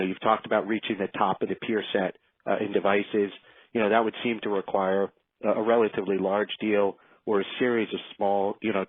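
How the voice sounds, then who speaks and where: A male financial analyst asks his question in halting, filler-heavy phrases. His voice is fairly low and flat in intonation, carried over a dry, narrow telephone line. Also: no room sound. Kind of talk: spontaneous conference call question. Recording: dry, tinny phone line.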